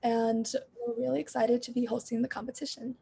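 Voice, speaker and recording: A young woman hosting an online event opening, upbeat and welcoming, with a naturally quiet voice over a video call. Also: fairly high pitch, little pitch movement, fairly quick, gravelly, husky. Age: young adult. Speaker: host and organizer.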